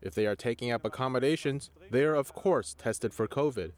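A male official calmly describing the situation in a news interview clip. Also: medium pitch, brisk.

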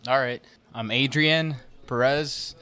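A man in his thirties from Mexico, a real estate entrepreneur talking as a guest in a relaxed, plainspoken way and repeating words as he starts. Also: medium pitch, slow, clean tone. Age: 30s. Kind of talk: casual interview.

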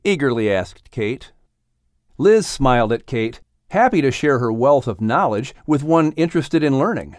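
A man's voice: medium pitch, expressive, moderate pace, a little mellow, dry recording, clean studio sound. A man reading scripted narration for a children's audiobook story.

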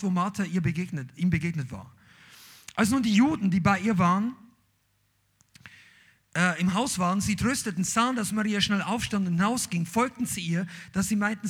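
A man with a high-pitched, husky voice preaches briskly. He reads scripture aloud and then hammers his point home with emphatic, rising outbursts that become shouts on key lines.

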